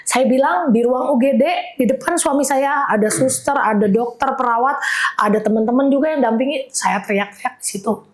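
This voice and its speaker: High-voiced woman telling an animated testimony. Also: fairly quick, echoey room. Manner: animated storytelling, acting out her own shouted prayers. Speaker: guest sharing testimony. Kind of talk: emotional testimony in an interview.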